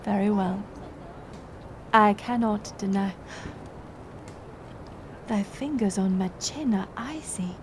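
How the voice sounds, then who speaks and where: A woman's voice: mid-range voice, noisy background, close to an everyday voice. A woman playing a playful, curious village woman in a romantic audio roleplay, speaking in archaic thee-and-thou English. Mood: hushed, tender. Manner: archaic thee-and-thou speech, slow and musing. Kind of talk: romantic audio roleplay acting addressed to the listener.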